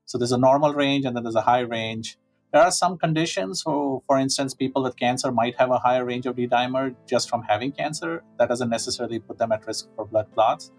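A man speaking as a medical expert, calmly explaining a lab test in plain, measured terms. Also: medium pitch, soft background music.

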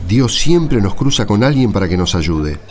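A man acts a supportive male friend in a radio play. His voice sits fairly low and has an Argentine accent. He comes across as generous and caring. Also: very animated, moderate pace, darkish tone, faint music behind. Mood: kind, reassuring. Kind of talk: radio drama acting.

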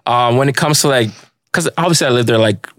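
A man's voice: medium pitch, quick pace, no echo, studio quality. A man from Ghana, a guest on a podcast, talking casually and loosely, with lots of fillers like "like" and "you know". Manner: relaxed, rambling, many fillers like "like" and "you know". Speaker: podcast guest, fashion brand founder. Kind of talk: casual interview chat.

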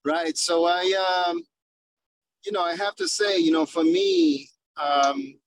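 A man from Cape Verde speaks as a panel guest over a choppy video call that keeps breaking up, calling in from his car. His voice sits a little high with a gravelly edge. He talks haltingly and fills his pauses with "you know.". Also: huge pitch swings, dry recording, low-quality recording. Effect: choppy video call connection, breaking up. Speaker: educator guest. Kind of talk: panel discussion.

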